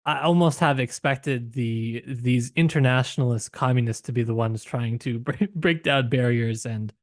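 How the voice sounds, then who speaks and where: A male podcast host with a mid-range voice, recorded dry and close. He talks casually about literature, working through his thoughts haltingly and qualifying them as he goes. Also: medium pitch, no room sound. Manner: halting, thinking aloud, trailing qualifications.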